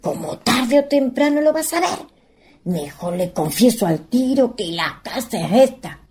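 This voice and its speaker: A woman acting a sly, chatty Chilean country ghost in a radio play, with a husky voice. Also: fairly high pitch, lively intonation, unhurried, a little mellow, full character voice. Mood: coy, surprised.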